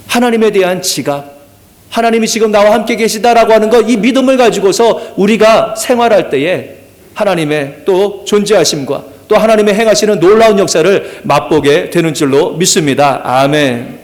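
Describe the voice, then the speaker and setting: A man's voice: high voice, normal speed. A male pastor giving an earnest Sunday sermon in a church, often drawing amens from the congregation. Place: church sanctuary.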